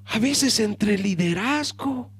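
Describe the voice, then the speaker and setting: A male pastor preaching a sermon with passion, calling the congregation brothers and swinging from loud to hushed. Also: high-pitched, animated, takes it slowly, breathy edge.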